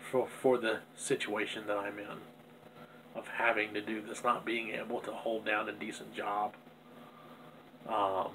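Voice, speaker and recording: A man's voice: lowish voice, fairly bright tone, a little hiss or hum, poor audio. A man with a stuffy nose talking candidly and self-critically in a rambling personal video diary. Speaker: vlogger.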